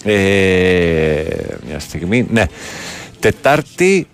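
A man's voice: sits low, very animated. A man hosting a morning sports radio show, chatting casually and reading out listener messages. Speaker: radio host. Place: radio studio. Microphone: studio microphone. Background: quiet music.

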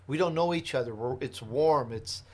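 A man's voice: medium pitch, moderate pace, darkish tone. A man from Chicago, a podcast host answering interview questions in an earnest, emphatic way, building his points through lists. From Chicago, United States.

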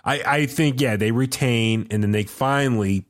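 A man's voice: mid-range voice, moderate pace. A man in casual podcast chat, recapping storylines and asking his co-host questions.

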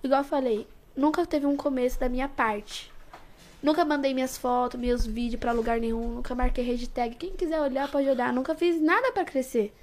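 A woman's voice: sits high, fairly even intonation, normal speed, a little mellow. A young Brazilian woman with a São Paulo accent and a small, cartoon-like cute voice, chatting casually in streetwise slang as an interview guest. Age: young adult. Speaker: interview guest, social media personality.

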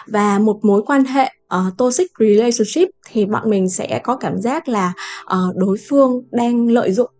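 A woman's voice: a little high, normal speed, a little mellow. A woman author speaking as a podcast guest, thoughtful and reflective, with many filler sounds. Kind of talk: casual podcast chat.

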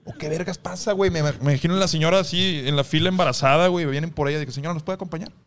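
A man's voice: fairly high pitch, rapid-fire. Profane Mexican man riffing on a podcast. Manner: profane, animated storytelling. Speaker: podcast host. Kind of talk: casual crude comedy banter.

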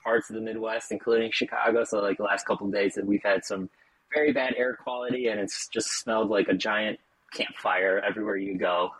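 A man's voice: lowish voice, steady tone, a little fast, a bit bright, breathy edge, rough recording. An American man hosting a podcast, chatting casually with lots of fillers and small talk. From United States. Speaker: podcast host. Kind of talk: casual interview chat. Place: Chicago.

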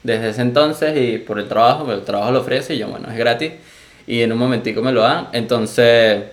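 A man's voice: medium pitch, a little fast. A Venezuelan man chatting as a guest in a casual interview, easygoing and laughing along, with hesitant fillers. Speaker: singer guest. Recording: roomy echo.

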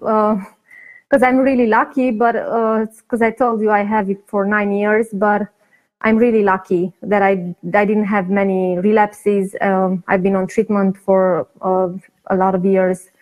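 A woman answers as an interview guest over a video call. She speaks hesitantly, with frequent fillers and restarts, at a mid pitch. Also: flat delivery, unhurried, a little mellow, rough recording. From Romania. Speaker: guest, patient advocate.

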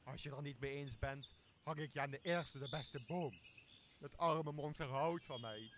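A man's voice: mid-range voice, moderate pace, background noise, close to an everyday voice. A young man, a student actor in a radio play, playing a drunken, pompous, commanding lord of an island. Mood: lordly. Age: young adult. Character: drunken, bossy, self-crowned male lord of an island. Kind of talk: amateur radio drama acting.

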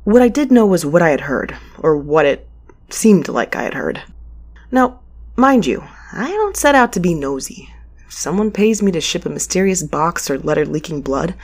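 A woman's voice: on the low side, a little mellow. A woman playing a frazzled, wry, stubborn space courier who narrates their own story conversationally in an audio drama. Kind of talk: audio drama acting and first-person narration.

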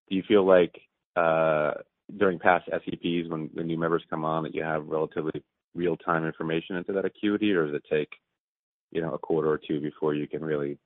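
Very deep-voiced man on a phone line. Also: dry recording. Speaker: financial analyst asking questions. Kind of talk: conversational questioning on an earnings call. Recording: dry, narrow telephone line.

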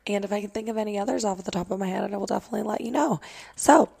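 Raspy young woman chatting into a phone. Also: mid-range voice, very fast, a little mellow, dry recording. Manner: chatty, swears freely. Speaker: podcast host. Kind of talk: casual solo rant. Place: in a car. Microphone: phone microphone.

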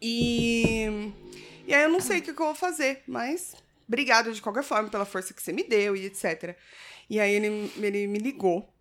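A woman's voice: fairly high pitch, brisk, a bit bright, faint music behind. A woman in her thirties co-hosting a podcast, telling a story in casual chat and often breaking into laughter. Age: 30s. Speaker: podcast co-host.

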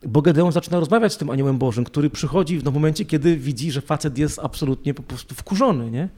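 A man's voice: fairly high pitch, quick pace. A man in casual religious discussion, talking thoughtfully and ending most phrases with a tag question. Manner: animated retelling with acted quotes.

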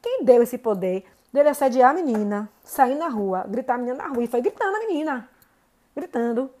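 High-pitched bahian woman venting to her viewers, all worked up. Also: a little fast. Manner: indignant, animated, talks to viewers directly. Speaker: vlogger. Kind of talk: casual personal story.

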